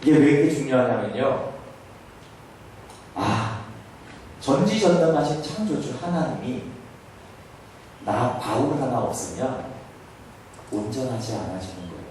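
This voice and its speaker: This pastor's sermon in a church hall features frequent questions to the congregation and dramatized quotes from Jesus. His mid-range, darkish voice is expressive and measured, with frequent pauses. The recording carries a little hiss or hum, and the very echoey room puts his voice at a distance.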